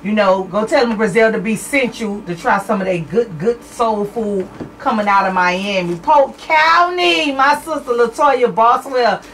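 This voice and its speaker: Lady hosting live radio, hyped shout-outs, kinda far from the mic. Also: medium pitch, normal speed, slight background noise. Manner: lively, excited greetings. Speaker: radio show host.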